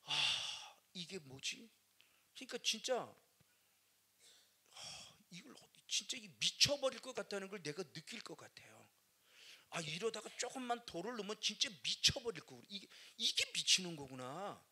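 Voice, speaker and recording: A middle-aged man preaches a testimony sermon in a high, piercing, very bright voice. He swings from loud, forceful outbursts to hushed murmurs. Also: sing-song, moderate pace, breathy edge. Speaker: pastor.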